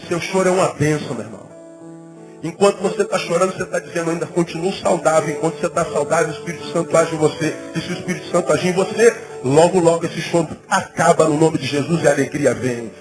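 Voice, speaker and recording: High-voiced animated preaching man. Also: fast talker, over music, poor audio. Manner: animated, conversational preaching with rising emphatic peaks. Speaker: pastor. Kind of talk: sermon. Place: church.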